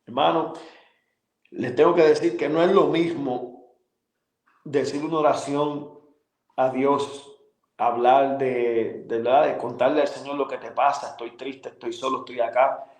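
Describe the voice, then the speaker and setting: A man sharing a personal testimony on Christian radio, earnest and halting, with many fillers and repeated words. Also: medium pitch, steady tone, a little mellow, echoey room, poor audio.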